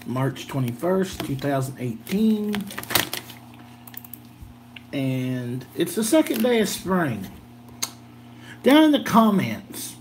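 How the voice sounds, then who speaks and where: American dude rambling on a casual vlog, slow talker, bit tired, faint hum behind him. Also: male voice, on the high side, a little mellow, rough recording. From southern Illinois, United States. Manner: rambling, folksy, jokey. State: a little tired. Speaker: gadget video host.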